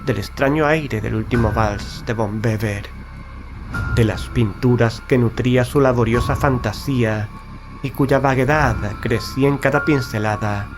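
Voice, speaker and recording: A man narrating a literary horror story in a measured, solemn, carefully enunciated dramatic style. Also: mid-range voice. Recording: background music under studio narration. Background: music.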